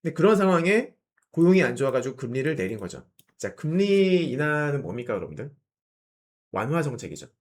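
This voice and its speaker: A middle-aged man with a cold and a slightly hoarse voice hosts an investment channel, explaining market news to viewers with rhetorical questions, fillers and frequent throat clearing. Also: on the high side.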